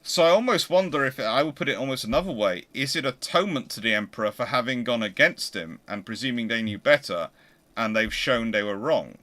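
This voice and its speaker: A man with a bright, pressing voice at a middle pitch. He hosts a casual history discussion and reasons aloud in a winding, animated way. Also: brisk. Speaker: host of a history discussion show.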